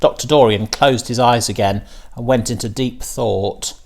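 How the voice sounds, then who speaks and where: A man's voice: medium pitch, fairly even intonation, moderate pace, vocal fry, a little mellow. A man reading a children's story aloud as a narrator, in the manner of a teacher.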